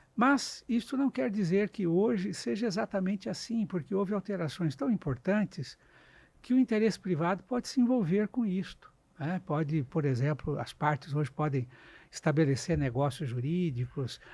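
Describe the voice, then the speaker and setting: Against a quiet background, a man talks in a high voice that makes very wide pitch swings. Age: 60s. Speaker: lawyer. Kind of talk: interview. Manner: formal.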